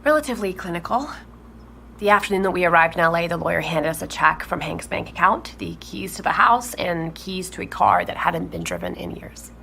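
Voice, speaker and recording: A grown daughter gives a measured, matter-of-fact interview in an audio drama. She speaks fairly low with a clear vocal fry, over faint noise. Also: sing-song, a bit bright, exaggerated voice. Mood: reflective, matter-of-fact. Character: matter-of-fact grown daughter recalling a relative's eerie house.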